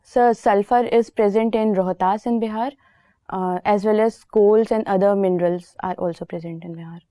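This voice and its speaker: A young woman with an Indian English accent answers an interview panel, hesitant and polite, often pausing on fillers. Her voice is mellow and soft-toned, recorded close and dry. She calls each examiner sir. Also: mid-range voice, fairly even intonation, no echo. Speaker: interview candidate. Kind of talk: formal mock interview answers.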